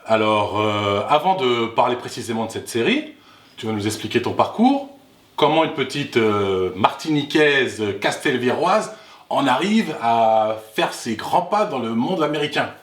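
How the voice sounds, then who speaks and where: A man's voice: mid-range voice, expressive, unhurried, echoey room. A man hosting an interview, asking questions with upbeat, enthusiastic interjections. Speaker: host.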